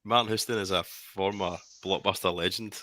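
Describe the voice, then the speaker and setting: A Scottish-accented man with a deep voice, bantering casually on a livestream. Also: fairly even intonation, moderate pace, pushed and bright, dry recording. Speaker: livestream panellist.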